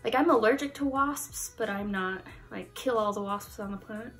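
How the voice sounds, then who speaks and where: A young woman from the United States chatting casually to the camera in her vlog, lively and laughing often. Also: mid-range voice, normal speed, soft background music. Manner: chatty, laughs often, animated hand gestures. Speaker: YouTuber. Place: Halloween-decorated room indoors.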